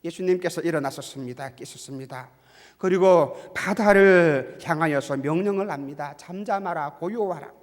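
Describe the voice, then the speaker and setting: A high-voiced male pastor preaching a sermon in a church sanctuary. He builds to loud, insistent repeated questions. His voice rings with a long hall reverb. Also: normal speed. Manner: rises to loud, high-pitched rhetorical repetition.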